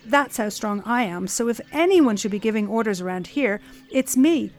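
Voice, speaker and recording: A woman voicing a boastful quail who shouts about his own strength. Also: on the high side, animated, normal speed, natural voice. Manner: bragging, shouting.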